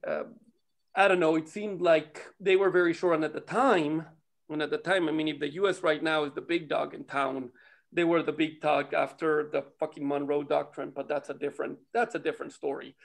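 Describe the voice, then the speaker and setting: A man from Costa Rica, a native Spanish speaker, tells stories casually in an animated, digressive way and swears freely. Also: a little high, moderate pace, gravelly. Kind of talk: casual chat, storytelling.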